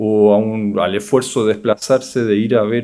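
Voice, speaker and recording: Very slow in pace, a man speaks in a Chilean accent with a dark, mellow tone. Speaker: museum diplomatic adviser. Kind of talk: lecture. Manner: hesitant, many fillers and repeats.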